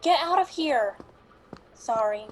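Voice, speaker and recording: A woman acts an earnest police colleague in mourning, her voice high. She speaks haltingly and apologetically, as in a small radio play. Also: expressive, full character voice. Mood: apologetic. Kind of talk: amateur radio drama acting.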